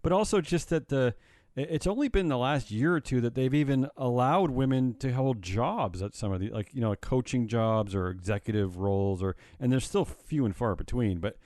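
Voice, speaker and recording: A man's voice: mid-range voice, expressive, normal speed, a little mellow, dry recording. Wry man hosting a business chat, dry sound. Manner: sarcastic, wry. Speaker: podcast host. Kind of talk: casual chat.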